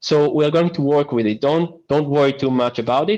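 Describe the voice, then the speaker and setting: A man with a non-native accent, fairly high pitch, lively intonation and a very fast pace, over music in the background. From Israel. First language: Hebrew. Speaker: project coordinator. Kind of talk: video call meeting presentation. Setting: video call. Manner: halting.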